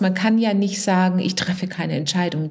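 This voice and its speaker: Somewhat breathy woman's voice at a medium pitch. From Germany. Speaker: playwright and writing teacher. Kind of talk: casual discussion.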